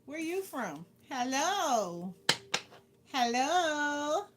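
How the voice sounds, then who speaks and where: A woman's voice: high voice, big pitch swings, drawn-out words. A woman doing a casual livestream card reading, giving playful, blunt advice and repeating phrases for emphasis. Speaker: tarot card reader and livestream host. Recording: clearly noisy background with clicks.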